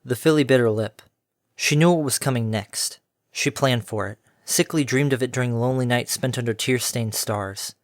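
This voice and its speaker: A man's voice: mid-range voice, normal speed, dry recording. Man narrating a fan audiobook, dry close sound. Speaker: audiobook reader.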